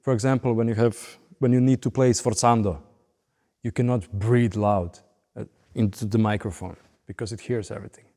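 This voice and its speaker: A man in his late thirties with a Serbian accent, speaking as an interviewed musician in short, deliberate phrases. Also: on the low side, fairly even intonation, mellow. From Belgrade, Serbia. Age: late 30s. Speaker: professional orchestral violinist being interviewed. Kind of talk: interview monologue. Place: large recording hall. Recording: long hall reverb.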